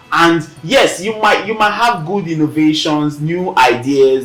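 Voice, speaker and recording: A man speaks in a Nigerian accent at a fairly high pitch with lively intonation. Background noise is noticeable. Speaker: commercial manager. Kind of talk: casual chat.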